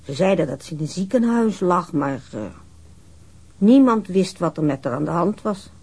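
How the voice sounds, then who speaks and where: An actor in a radio drama playing a chatty, reflective co-worker giving a witness account, with a husky voice. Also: male voice, sits high, lively intonation, normal speed, a little mellow, full character voice. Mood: reflective, slightly aggrieved.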